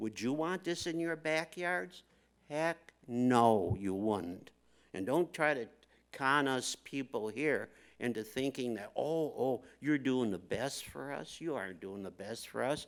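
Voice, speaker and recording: On a very clean recording with a silent background, a man speaks at a fairly slow pace and medium pitch with lively intonation. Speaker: resident speaking at public comment. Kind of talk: public comment at a planning meeting. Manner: loud, yelling.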